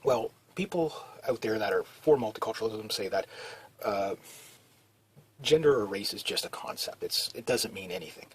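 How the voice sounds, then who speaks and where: A man's voice: lowish voice, lively intonation, normal speed, slightly rough. A man talking in a rambling, casual monologue, full of restarts and fillers. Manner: meandering, many restarts and "you know" fillers. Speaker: video blogger.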